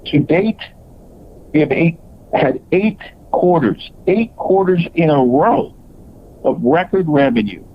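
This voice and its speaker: A man presenting as a company executive, reading scripted earnings call remarks in a halting way with broken phrasing. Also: a little high, expressive, slight background noise. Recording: dull, lo-fi conference call audio.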